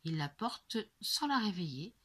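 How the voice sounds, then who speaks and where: Conteuse à la voix soufflée et expressive. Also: female voice, fairly low pitch, slightly rough. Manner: slow, expressive, with whispered passages. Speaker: storyteller. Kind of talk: children's story reading.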